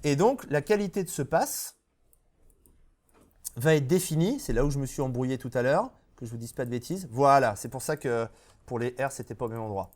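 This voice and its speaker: In a live classroom tutorial before an audience, a bilingual man teaches 3D software, switching between French and English and checking on the class often. His medium-pitched voice is animated and a little fast.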